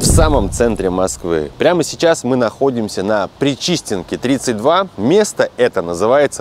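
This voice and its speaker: A man talks at a fairly slow pace in a dry sound with no echo, with light background noise. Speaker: video blogger host. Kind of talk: casual vlog chat. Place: street. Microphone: lapel.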